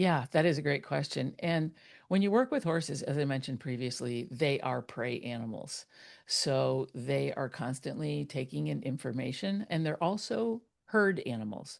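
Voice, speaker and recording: Against a quiet background, a woman with a very deep, low pitch and vocal fry speaks at a moderate pace with lively intonation. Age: 60s. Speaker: life coach. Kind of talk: casual chat.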